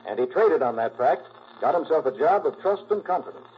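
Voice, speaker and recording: A man's voice: fairly high pitch, lively intonation, brisk, lightly acted. A man playing a confident, shrewd master detective in a 1940s radio drama, decisive and authoritative. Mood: accusing, firm. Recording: muffled, noisy old 1940s radio recording.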